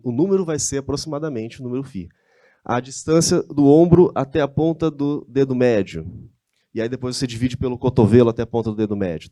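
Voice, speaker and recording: A man's voice: medium pitch, warm tone, dry recording, studio quality. A man with a Brazilian Portuguese accent giving a conversational lecture, often asking his audience rhetorical questions. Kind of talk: church-hosted lecture with slides.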